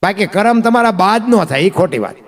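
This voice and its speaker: A man's voice: sits high, expressive, brisk. A man from Gujarat, telling devotional folk stories in a rhythmic, repeating way. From Gujarat, India. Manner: rhythmic, repeats phrases for emphasis, addresses listeners as bapu. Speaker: folk storyteller.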